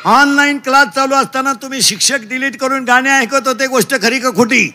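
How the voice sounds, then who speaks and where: A middle-aged man preaching a comic kirtan. He shouts questions to the children and mixes broken English into his lessons. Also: very high-pitched, steady tone, a little fast, a faint crowd. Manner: shouting call-and-response with children.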